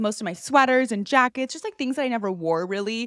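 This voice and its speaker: A woman with a Californian accent talks very fast in an animated tone, her fairly high pitch carried by lively intonation, on a very clean recording with a silent background and a dry, close sound with no echo. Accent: Californian American English. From US West Coast, Los Angeles. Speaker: podcast host. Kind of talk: casual chat.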